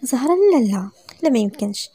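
A woman's voice: fairly high pitch, expressive, fast, dark tone, slightly rough. A woman voicing a young, fiery wife and mother in a story, with a Moroccan accent and emphatic, protesting delivery. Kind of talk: storytelling with acted dialogue.

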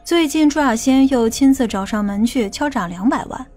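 A woman playing a stern, knowing female investigator in an audiobook, with a brisk, assertive manner. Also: high-pitched, animated, a little mellow, faint music behind. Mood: explaining. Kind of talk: audiobook character dialogue.

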